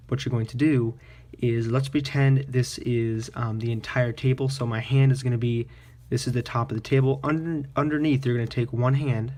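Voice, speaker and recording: Man, medium pitch, casual magician's card-trick patter, informal tutorial, step-by-step instructions. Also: a little mellow.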